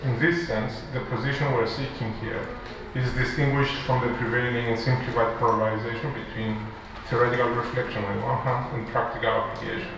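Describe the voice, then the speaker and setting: Strong room echo and noticeable background noise surround a man's voice. He speaks at a fairly quick pace with fairly even intonation. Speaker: architect lecturer. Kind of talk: lecture. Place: hall.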